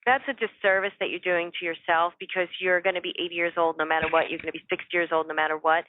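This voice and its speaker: A woman's voice: fairly low pitch, steady tone, quick pace, no room sound. A woman speaking as a spiritual teacher and interview guest, giving earnest, emphatic motivational advice in a conversational way. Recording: phone-like, narrow-band dry call audio.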